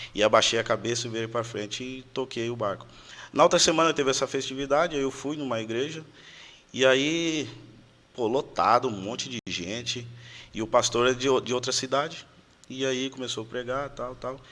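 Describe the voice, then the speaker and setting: At a moderate pace, a man speaks in a bright, sharp tone at medium pitch with ordinary pitch variation. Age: 30s. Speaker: former amateur footballer. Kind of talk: casual testimony.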